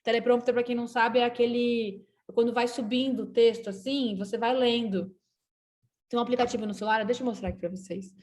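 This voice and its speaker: Woman, Brazilian accent, slightly high voice, chatty, lots of restarts, live video call. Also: steady tone, fairly quick. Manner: chatty, warm toward fans, many restarts. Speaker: guest actress and filmmaker. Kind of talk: casual talk on a live stream.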